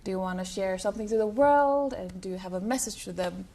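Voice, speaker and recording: Creaky-voiced female interviewer. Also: medium pitch, quick pace, mellow. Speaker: television interviewer. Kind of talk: conversational broadcast interview. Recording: faint background ambient noise.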